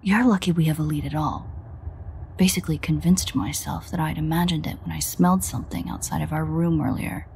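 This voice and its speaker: A woman playing a sardonic, exasperated vampire in an audio roleplay, grumbling and swearing in a husky near-whisper. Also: sits low, steady tone, a little fast, darkish tone, a little hiss or hum. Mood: weary, grumbling. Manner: sarcastic, profane, grumbling. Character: sardonic, exasperated female vampire, reluctant ally. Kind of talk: audio roleplay addressed to the listener.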